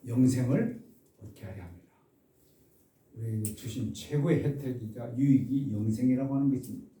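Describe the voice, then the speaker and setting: A man preaching an expository sermon as a pastor. He stresses key words with loud exclamations and asks the congregation questions. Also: medium pitch, normal speed, slight background noise. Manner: asks the congregation questions and has them repeat phrases. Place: church sanctuary. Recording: echoey church room, mic at a distance.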